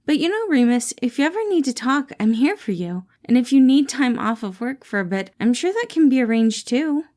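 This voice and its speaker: A woman voicing a kind, caring male boss who speaks in a bright, encouraging way. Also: high-pitched, sing-song, brisk, voice pushed up.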